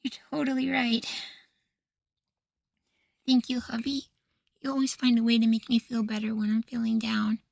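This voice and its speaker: A man playing an affectionate, easily flustered young femboy househusband in an intimate ASMR roleplay, speaking in a soft, feminine, coaxing way. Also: very high-pitched, completely flat delivery, moderate pace, gravelly, pauses often. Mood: soft, reassured. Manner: coaxing, gently praising, sweetly apologetic.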